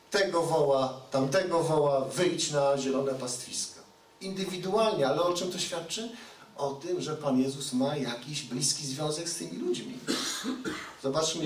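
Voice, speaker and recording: A man's voice: on the high side, a little hiss or hum. A man giving a chatty sermon who keeps asking the congregation questions. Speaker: preacher. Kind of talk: conversational sermon. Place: church hall. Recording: roomy hall, mic at a distance.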